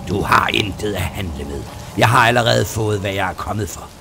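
Rompul, a man voicing a calm cunning demon. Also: on the low side, vocal fry, slight background noise, exaggerated voice. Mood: commanding. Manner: measured, riddling, quietly menacing. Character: ancient male demon of the land, calm and cunning. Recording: music playing underneath.

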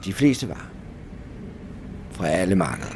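A man voicing a discreet older student who sells smuggled goods in a soft-spoken salesman way. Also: deep voice, sing-song, noisy background, pitched below the performer's own voice. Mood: smooth, selling. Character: smooth, discreet teenage boy dealer.

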